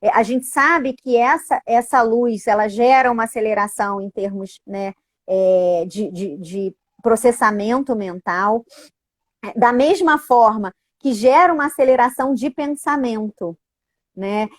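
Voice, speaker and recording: High-pitched middle-aged woman, teacher and mom, chatty and animated, dry close sound. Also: measured pace, no room sound. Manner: animated, frequent tag questions. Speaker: educator and parent. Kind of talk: casual conversational talk.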